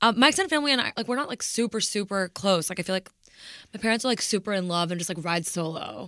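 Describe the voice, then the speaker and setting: Over a very clean recording with a silent background, a woman talks very fast at medium pitch, her tone bright and sharp and her intonation lively. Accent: American. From New Jersey. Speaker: tech journalist. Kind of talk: casual interview chat. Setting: studio.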